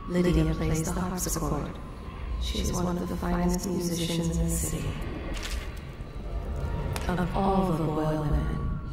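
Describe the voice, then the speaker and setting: A woman voicing a mysterious spirit in a video game, measured and ominous, telling secrets in slow scripted narration. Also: on the low side. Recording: very echoey, music behind.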